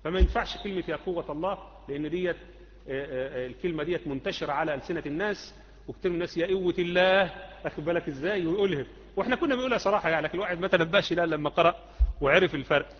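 A man's voice: a little high, rapid-fire. A man with an Egyptian accent gives a live religious lesson, explaining points conversationally and putting questions to his students. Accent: Egyptian Arabic. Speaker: Islamic creed teacher. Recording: muffled audio with long hall reverb.

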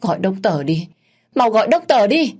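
A woman voicing a desperate middle-aged mother who pleads and cries out, her voice climbing high and loud. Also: big pitch swings, moderate pace, breathy edge. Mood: panicked.

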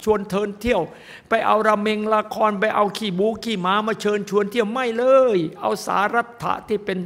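An older monk delivers a sermon in a high, gravelly voice. His talk is emphatic and rambling, circling back on the same words. The sound carries a long echo from a large hall. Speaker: monk preacher. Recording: echoey hall.

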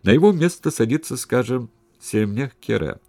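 A man reading an audiobook, voicing a shrewd, cautious conspirator who reasons in a measured, persuasive way. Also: mid-range voice, expressive, creaky, darkish tone, no room sound, voice pushed up. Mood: scheming. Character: shrewd, cautious male conspirator, calm schemer.

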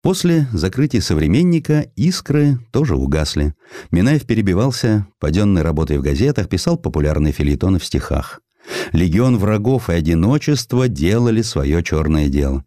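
A man reads a historical essay as an audiobook narrator with theatrical expression. His voice is deep and dark, and it moves in wide, animated swings of pitch. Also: normal speed, dry recording, studio quality. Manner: theatrical, declaiming verse and acting out quotes.

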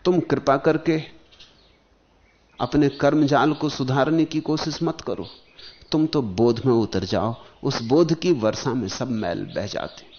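A man giving a spiritual discourse, speaking in slow rhythmic phrases that swell and sink, and chanting verses slowly. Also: mid-range voice, highs cut off. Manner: slow, rhythmic, rising and falling emphasis. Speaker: spiritual teacher.

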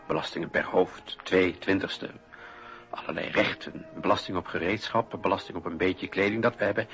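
An actor playing a weary, indignant old French philosopher in a radio play, declaiming in a deliberate, rhetorical way. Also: male voice, low voice, creaky, fairly bright tone, dull audio. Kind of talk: radio drama monologue, declaimed.

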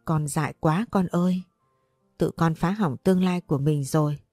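A woman's voice: low voice, normal speed, warm tone, no echo, clean studio sound, soft background music. Woman playing a tearful grandmother near sixty. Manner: tearful pleading.

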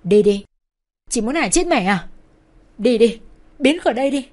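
Woman doing an angry young brother shouting. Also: medium pitch, brisk, natural voice. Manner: shouting, accusing. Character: angry young male brother, bitter and scornful.

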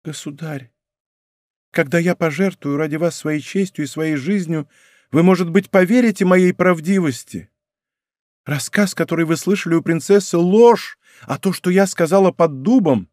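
A man's voice: fairly high pitch, moderate pace, a little mellow, no echo, studio quality, pitched above the performer's own voice, close to an everyday voice. A man reading an audiobook, voicing a passionate, pleading young woman in love. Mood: passionate confession. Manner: impassioned, tearful pleading.

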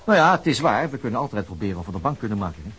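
A gruff veteran dutch cop in his fifties, lively rise and fall, blunt and bossy. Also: fairly low pitch, very fast, slight background noise. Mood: musing. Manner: blunt, musing, then commanding. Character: veteran male police detective, fifties, stubborn and firm. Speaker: detective. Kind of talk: Dutch radio drama acting.

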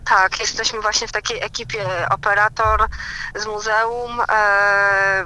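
A woman phoning in, her voice played into the studio over a speakerphone. The tone is very bright and sharp. She reports casually, with pauses and fillers. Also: medium pitch, level tone. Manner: hesitant, talks with fillers while traveling. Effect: phone call played on speakerphone. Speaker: caller reporting from a field trip.

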